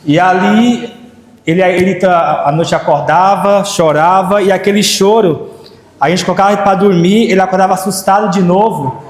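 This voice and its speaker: High-voiced man giving testimony in a church. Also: steady tone. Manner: conversational storytelling, halting restarts. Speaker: preacher. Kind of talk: sermon testimony. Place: church hall. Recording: echoey church hall, long reverb.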